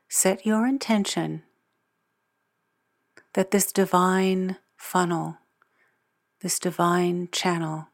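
A woman with a fairly low voice guides a meditation, speaking in measured, deliberate phrases separated by long pauses.

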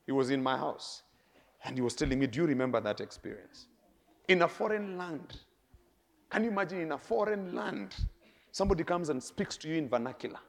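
Animated Kenyan preacher, man. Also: fairly high pitch, a little fast, vocal fry. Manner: animated, laughing, swinging between quiet and loud. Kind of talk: sermon with storytelling.

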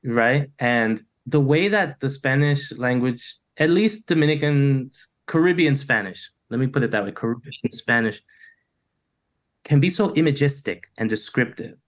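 A man's voice: medium pitch, normal speed. A middle-aged man, talking in a reflective interview over a video call, with a loose flow full of "you know" and restarts. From United States. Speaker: poet, interview guest.

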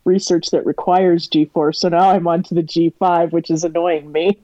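Here a man chimes into a casual group talk with wry asides, his voice mellow and a bit higher than usual. It comes through a dull, lo-fi line, and the sound is dry. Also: level tone, moderate pace, no echo.

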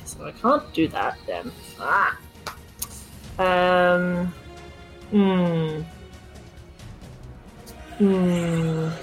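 A woman's voice: fairly low pitch, low-quality recording. A woman talking casually as a tabletop game player, thinking aloud as she decides her moves. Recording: music underneath.

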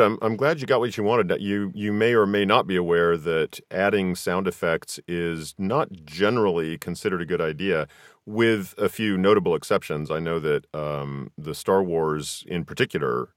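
Very deep-voiced male podcast host, dry sound. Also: no room sound. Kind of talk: conversational interview.

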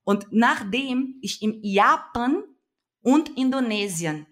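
A woman's voice: on the high side, expressive, slow, fairly bright tone. A young adult woman from Brazil speaking with a Brazilian Portuguese accent, talking earnestly and emphatically as an activist guest in an interview, often searching for her words. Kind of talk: conversational interview.

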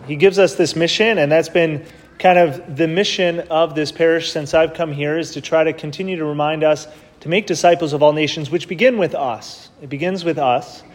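A priest with a higher male voice reads the gospel at Mass in a measured way, then preaches his homily in a plain conversational style with fillers. He's in a large church, and the recording carries the long reverb of a big cathedral.

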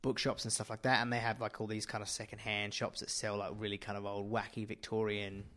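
A man's voice: on the low side, little pitch movement, brisk, fairly bright tone. A man with an English accent hosting a casual podcast, rambling a little and repeating phrases for emphasis. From England. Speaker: podcast host. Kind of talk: casual chat.

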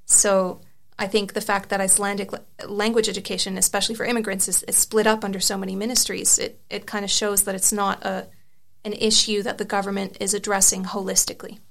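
A young woman, Serbian by first language, talks as an interview guest about the article she wrote, thinking through her views with many restarts and fillers. Her medium-pitched voice is creaky and fairly bright, with little pitch movement and a brisk pace.

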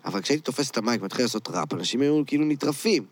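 A man's voice: mid-range voice, animated. A man with an Israeli accent, a rapper and producer being interviewed, chatting casually in slang sprinkled with English words. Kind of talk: casual chat.

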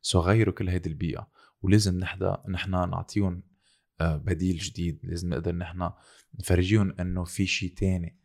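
A man with a Lebanese Arabic accent talks politics casually and insistently. His voice is very low with heavy creak, and he speaks quickly, repeating his points and dropping in English phrases. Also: level tone, a little mellow. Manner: code-switches into English.

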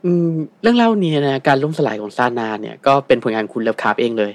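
A man retells an old tale at a brisk clip, relaxed and chatty, with plenty of fillers. The sound is close and dry, with no room around him. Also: medium pitch, no echo. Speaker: guest storyteller. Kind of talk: casual storytelling chat.

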